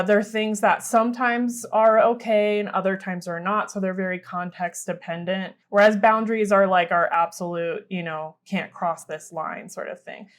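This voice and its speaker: A woman panelist and therapist explaining ideas in a thoughtful, conversational way, often checking in with "right?". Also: mid-range voice. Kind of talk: casual explanatory discussion.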